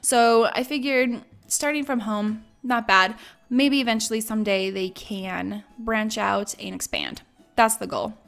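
A woman's voice: on the high side, steady tone, measured pace, creaky, fairly bright tone. A young woman casually commenting over a life-sim game, chatty and upbeat with lots of fillers, her voice a bit strained as it goes out. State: losing her voice. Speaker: let's play host.

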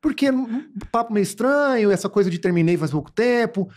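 A man's voice: high-pitched, animated, a little fast, darkish tone. A man, a podcast guest, telling a story casually and acting out the quotes with animation.

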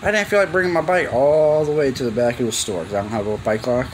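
A man's voice: mid-range voice, steady tone, fast talker, a little hiss or hum. A young man telling a story to camera in a casual, rambling, slangy way, acting out the exchanges as he goes. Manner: slangy, informal, acts out quoted exchanges. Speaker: vlogger. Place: cluttered garage, indoors.

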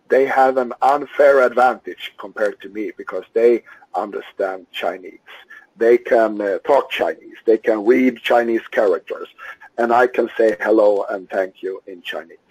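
A Swedish-born man whose first language is Swedish lectures over slides in a slightly husky voice. He pauses often, filling gaps with uhs and ums, at a middling pitch. The sound is dry and close, with no room around it. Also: darkish tone, no echo, rough recording. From Sweden. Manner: halting, many uhs and ums. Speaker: Scrum trainer.

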